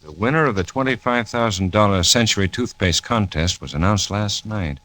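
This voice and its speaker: A man voicing a calm, inquiring doctor with a lowish, bright voice. He speaks in a measured way, like old radio drama. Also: close to an everyday voice. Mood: reading. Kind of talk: 1940s radio acting.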